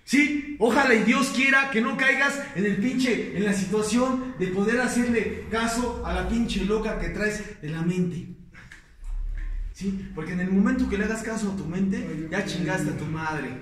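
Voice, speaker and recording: A man's voice: sits high, measured pace, fairly bright tone. A Mexican man giving a crude, joking group testimony at a recovery meeting, profane and rambling, often laughing and speaking straight to his listeners. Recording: echoey room, mic far off, faint noise.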